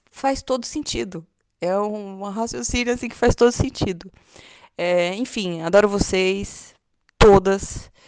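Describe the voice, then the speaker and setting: A woman talks in an ordinary speaking voice at a medium pitch, with ordinary pitch variation and a fairly slow pace. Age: 30s. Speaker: listener sending a message. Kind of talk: recorded listener voice message.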